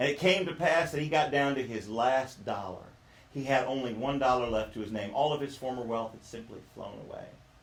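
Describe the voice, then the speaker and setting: A man with a strong Southern US accent speaks at a fairly quick pace and medium pitch, with ordinary pitch variation. Audible room echo surrounds him. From US South. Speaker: magician storyteller. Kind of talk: storytelling performance.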